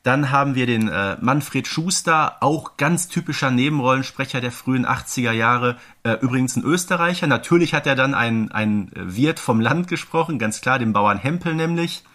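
A man's voice: mid-range voice, expressive, moderate pace, few pauses, a bit bright. A man co-hosting a podcast, chatting casually with gushing, fannish enthusiasm. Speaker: podcast co-host. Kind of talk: casual chat, analysing a radio play.

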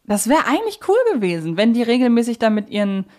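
A woman's voice: fairly high pitch, sing-song, quick pace, warm tone. A woman with a German accent, hosting a fan podcast in an enthusiastic, opinionated, conversational way. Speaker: podcast host.

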